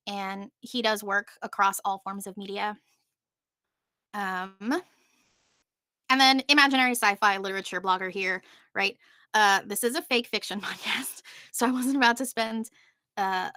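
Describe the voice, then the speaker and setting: A woman's voice: medium pitch, sharp tone, no room sound, clean studio sound. A woman presenting on a panel in an informal, chatty way, often breaking off into asides. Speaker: panelist presenting on podcast marketing.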